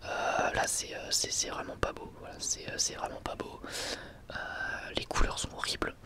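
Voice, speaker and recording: A man speaks entirely in a soft, unvoiced whisper. He hosts casual ASMR, chatting informally to his viewers. His delivery is hesitant and reassuring, with a breathy texture throughout. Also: moderate pace. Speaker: ASMR video host.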